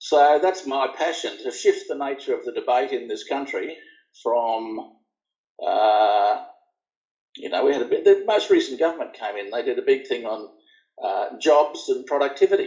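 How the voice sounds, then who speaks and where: With an Australian accent, a man talks at a moderate pace, leaving long, frequent pauses. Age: 70s. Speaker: innovation thought leader and author. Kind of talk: interview. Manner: halting.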